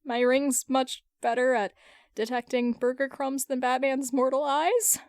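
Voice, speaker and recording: A woman's voice: high voice, fairly even intonation, measured pace, dry recording, clean studio sound, pitched above the performer's own voice. A woman voicing a confident, teasing businesswoman who is sweetly nonchalant and smug, in a fan fiction reading.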